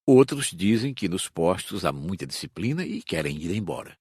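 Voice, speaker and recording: Male actor as patient spirit instructor, Brazilian accent, didactic, measured, deep-leaning, very animated pitch, audiobook. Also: slightly rough, no room sound, studio quality, heavily acted. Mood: calm, instructive. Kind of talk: audiobook dramatized reading.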